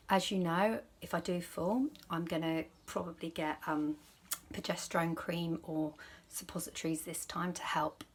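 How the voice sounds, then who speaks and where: A woman with a notably low voice chats casually to her viewers, offering advice. She rambles and often corrects herself mid-sentence. There is some faint background noise in the recording. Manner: chatty, rambling, self-correcting. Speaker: vlogger.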